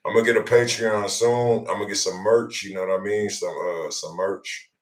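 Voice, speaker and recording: A man's voice: fairly low pitch, steady tone, normal speed. A tired man hosting a casual podcast, speaking in a loose, slangy, profane way. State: tired, sleep-deprived. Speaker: podcast host. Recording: roomy echo, distant from the mic.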